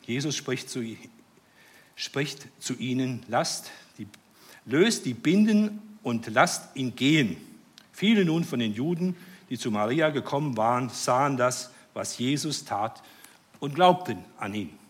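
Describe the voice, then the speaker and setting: A man preaching a sermon, earnest and fervent, rising to joyful excitement with hesitant restarts. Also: medium pitch, unhurried. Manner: earnest, rises to joyful fervor.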